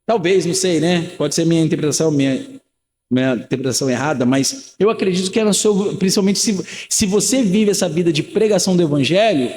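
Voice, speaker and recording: A man in his thirties from Rio de Janeiro, Brazil preaches a sermon in a high, bright voice at a quick pace. He's earnest and conversational, circling back with rhetorical questions and repeated phrases. The church sanctuary leaves a long, ringing reverb tail.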